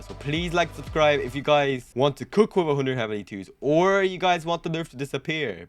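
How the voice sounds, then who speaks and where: A young adult man giving casual gameplay commentary to camera as the host of a gaming video. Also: medium pitch. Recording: music behind the voice.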